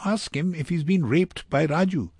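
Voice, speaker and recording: Man voicing a determined, earnest woman, raised pitch. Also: moderate pace, a little mellow, husky, dry recording, clean studio sound. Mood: insistent, concerned. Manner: earnest, insistent. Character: concerned, stubborn, determined woman helping a child.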